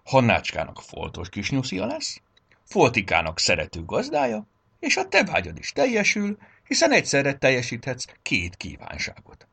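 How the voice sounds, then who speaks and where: A chirpy little black rabbit with a raised, lively voice, as a male storyteller puts him on. He explains things brightly and quickly jumps in with answers. There is a slight husky edge under the storybook voice. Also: mid-range voice, voice pushed up, exaggerated voice. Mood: cheerful. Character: cheerful clever black rabbit, small and lively.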